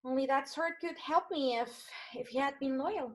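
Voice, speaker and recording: A woman's voice: high voice, normal speed, natural voice, low-quality recording. A woman playing an anxious, evasive femme fatale in a 1940s-style radio noir, hesitant and theatrical.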